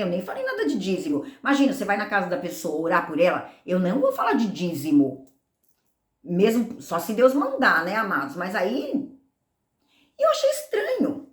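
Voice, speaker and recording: Animated woman pastor telling a testimony. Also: mid-range voice, roomy sound. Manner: animated storytelling, acting out dialogue. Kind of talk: sermon testimony.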